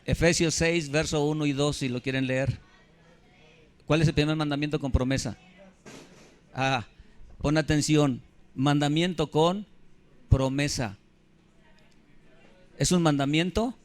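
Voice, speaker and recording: A man's voice: fairly high pitch, fairly even intonation, normal speed, pauses often. Emphatic pastor in his fifties. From Mexico. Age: 50s. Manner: emphatic, keeps asking the congregation questions. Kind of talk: sermon.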